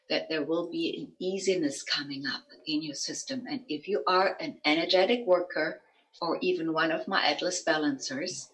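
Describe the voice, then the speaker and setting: Slow, low-voiced German-accented woman. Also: fairly bright tone, poor audio. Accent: German with some American. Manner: slow, careful, spells things out. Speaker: energy-work teacher. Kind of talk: guiding an online session. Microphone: video call.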